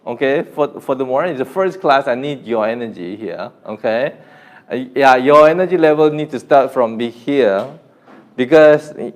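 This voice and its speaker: A young man from Korea with a Korean accent, a native Korean speaker, teaching a beginner Korean class live online in an informal way and often restarting his sentences. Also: medium pitch. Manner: energetic, coaxing the class to repeat louder.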